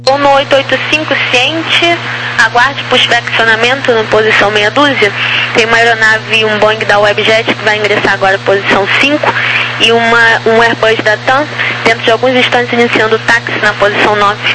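A woman's voice: on the high side, fairly even intonation, a little fast. A Brazilian woman working as an air traffic controller, giving procedural instructions over aviation radio. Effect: aviation radio transmission. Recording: noisy radio channel with background hum.

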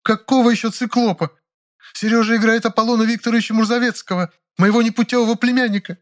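Guy doing a bossy old actress lady, high squawky voice, always scolding. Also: steady tone, fast talker. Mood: indignant. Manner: indignant, scolding outbursts. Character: temperamental older actress, sharp-tongued and imperious. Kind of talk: audiobook character voice.

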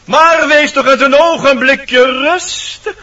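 A man playing a fussy talking forest animal in a radio play, speaking formal verse in a measured, theatrical way. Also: very high voice, over loud music. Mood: fussy, courteous. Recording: dull old radio recording, distant from mic.

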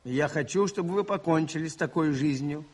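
An actor playing a shrewd, gently teasing Catholic priest detective in a Soviet radio play, with a musing, ironic, conversational manner. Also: male voice, a little high, fairly quick, slightly rough. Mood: earnest persuasion.

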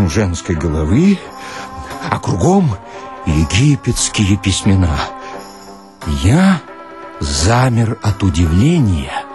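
A man giving a dramatic, expressive literary reading, with theatrical and deliberate phrasing. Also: on the low side. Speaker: actor reading short stories.

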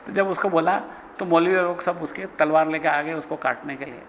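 A man with a fairly high voice gives a spiritual lecture in a hall with a long reverb. He tells a story, acting out the quoted lines with jumps in pitch. The recording is dull and lo-fi, with faint hiss. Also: brisk, a bit bright. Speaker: spiritual teacher. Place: ashram hall.

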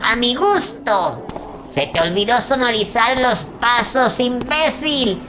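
A woman's voice: fairly high pitch, sing-song, takes it slowly, background noise. A woman playing a scornful, bony old master of a crypt in a comedy horror audio drama, scolding theatrically.

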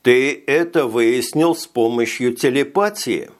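A man's voice: mid-range voice, unhurried, close to an everyday voice. A man voicing an anxious businessman stranded on an alien world, uneasy and full of questions, in an audiobook. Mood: doubtful.

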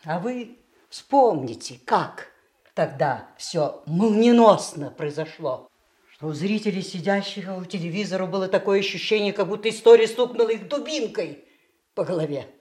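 An actress playing a reflective, wry mature woman in a Russian radio play, musing aloud with dramatic pauses. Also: medium pitch, animated, a little mellow, close to an everyday voice. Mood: recounting intently. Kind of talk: Russian radio theatre monologue.

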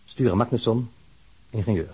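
Wronged engineer reading his complaint letter, formal n measured, husky mellow voice, radio drama. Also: medium pitch, low-quality recording. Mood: formal, aggrieved.

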